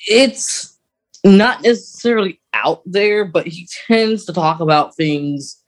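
A man's voice: a little high, low-quality recording. A man co-hosting a podcast, chatting casually and rambling informally through fandom news. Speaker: podcast co-host.

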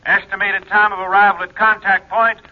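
Man acting high-voiced 1950s radio technician. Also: flat delivery, fairly quick, lightly acted. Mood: urgent, formal. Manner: formal, clipped recital of figures. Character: precise male radar and computation technician. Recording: dull, lo-fi 1950s radio recording.

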